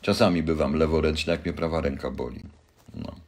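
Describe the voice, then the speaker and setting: A man's voice: extremely low pitch, fairly quick, gravelly. An older man hosting a casual live chat, rambling and joking as he answers viewers' questions. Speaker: livestream host answering viewers.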